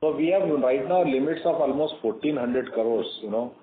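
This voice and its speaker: A man with an Indian accent answering investor questions on an earnings call as a company executive, in measured explanations. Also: medium pitch. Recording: phone-like conference line, echoey, clearly noisy.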